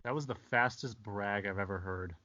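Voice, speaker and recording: A man's voice: fairly low pitch, normal speed, pushed and bright, lo-fi sound. A man on a podcast, gushing praise and stumbling over his words. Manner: effusive and stumbling. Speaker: podcast guest. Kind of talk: casual chat.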